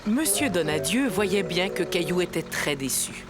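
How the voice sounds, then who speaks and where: A woman playing a kindly grandmotherly storyteller, reading a children's cartoon story in a gentle, expressive manner. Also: fairly low pitch, normal speed, close to an everyday voice. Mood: gentle storytelling. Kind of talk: scripted children's story narration. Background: music behind the voice.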